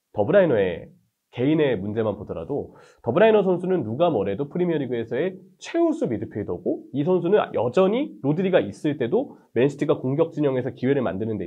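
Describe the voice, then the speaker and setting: A man's voice: medium pitch, husky, lo-fi sound. A man working as a football commentator, giving interview answers in an analytical style and asking rhetorical questions. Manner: fast, animated analytical delivery with rhetorical questions.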